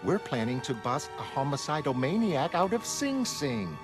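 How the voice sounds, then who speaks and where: A man's voice: medium pitch, sing-song, normal speed, lightly acted. A man voicing an exasperated, sarcastic young woman, a former heroine. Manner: sarcastic, scoffing. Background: music.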